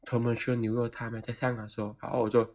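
A man from Hong Kong speaking Cantonese-accented Mandarin, telling comedic personal stories in an animated, self-mocking way and acting out the dialogue. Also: medium pitch, racing, slight background noise. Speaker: vlogger.

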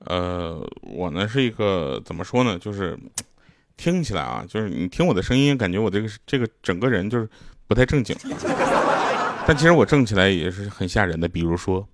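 A man doing a stand-up joke monologue, telling anecdotes with deadpan punchlines and self-mocking, rambling asides. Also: low-pitched, a little fast. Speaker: comedian.

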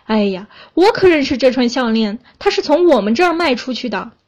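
A woman's voice: fairly high pitch, moderate pace, natural voice. A woman voicing a businesslike male jeweler who speaks firmly and matter-of-factly in a storybook telling. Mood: surprised.

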